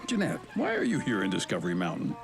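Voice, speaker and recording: Gravelly, wildly swooping, kindly fellow. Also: male voice, deep voice, huge pitch swings, fast talker, over music, full character voice. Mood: flustered. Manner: hesitant, earnest. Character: kindly, flustered, folksy middle-aged man of faith. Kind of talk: children's radio drama acting.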